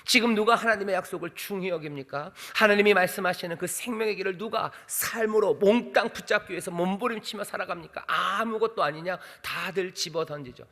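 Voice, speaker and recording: A man's voice: sits high, a little fast, few pauses, bright, forceful tone. A male senior pastor preaching a sermon, asking rhetorical questions and answering them himself, and acting out short quoted lines in other voices. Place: church sanctuary. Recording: long hall reverb.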